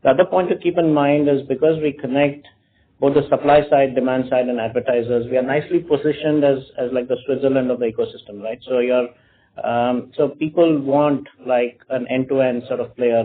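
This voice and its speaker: A man with a mid-pitched voice answers analysts on an earnings call. He pauses often and fills gaps with "uh" and "sort of". The sound is narrow and tinny, like a phone line. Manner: hesitant, many fillers. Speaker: company executive.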